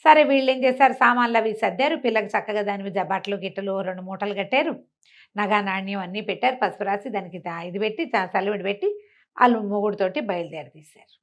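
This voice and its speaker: A woman telling a village tale in a conversational way, animated and chatty with explaining asides. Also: medium pitch, fast. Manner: animated retelling, acting out characters' remarks, explaining asides to a co-host. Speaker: storyteller. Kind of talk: conversational oral storytelling of a village folk tale.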